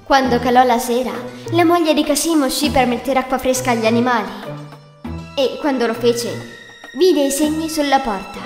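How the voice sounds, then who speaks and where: A woman's voice: high-pitched, moderate pace. A woman reading a scripted fairy tale as the narrator. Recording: echoey hall reverb, music behind. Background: music.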